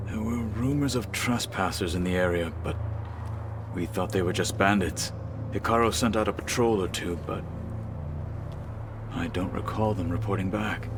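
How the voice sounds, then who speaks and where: A man playing a stoic, proud tribal warrior in a game, speaking in a formal, measured, earnest way over music. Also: deep voice, background noise. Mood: grave. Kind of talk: video game cutscene dialogue.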